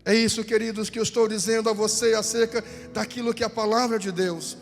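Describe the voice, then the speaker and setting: High-voiced fervent Brazilian preacher. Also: male voice, level tone, a little fast, vocal fry. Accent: Brazilian Portuguese. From southern Brazil. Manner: fervent, repetitive, rises to shouting. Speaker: pastor. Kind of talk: Pentecostal sermon. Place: church sanctuary. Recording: church hall with long reverb, faint music.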